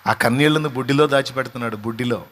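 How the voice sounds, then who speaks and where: A man preaching a sermon, moving between calm explanation and loud, emphatic cries. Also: medium pitch, racing. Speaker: pastor.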